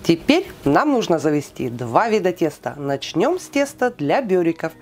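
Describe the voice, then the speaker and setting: A woman giving a calm, precise step-by-step cooking voice-over, listing weights and steps, with soft music behind her. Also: lowish voice. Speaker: cooking channel host.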